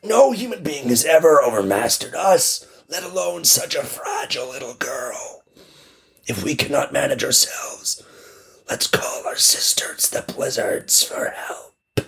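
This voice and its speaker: A man's voice: a little high, animated, a little slow, vocal fry, a bit bright, in a whisper, voice pushed up, full character voice. A man doing hissing, furious whirlwinds. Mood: exhausted. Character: furious whirlwinds, wild and scheming.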